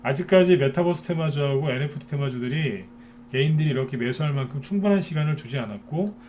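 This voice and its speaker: A man's voice: fairly high pitch, quick pace, a little mellow, slight background noise. A man giving a live stock market lecture to viewers, talking in a chatty way and often checking in with them through short tag questions.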